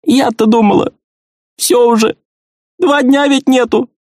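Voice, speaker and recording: A man voicing an emotional old woman who scolds and fusses in a shrill voice. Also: big pitch swings, moderate pace, darkish tone, dry recording, studio quality. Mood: overjoyed. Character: older woman, tearful and fussing.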